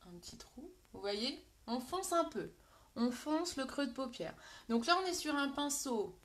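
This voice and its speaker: A woman with a French accent hosting a live makeup tutorial, chatting to her viewers as she works. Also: sits high. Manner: chatty, addresses viewers directly, reads out comments.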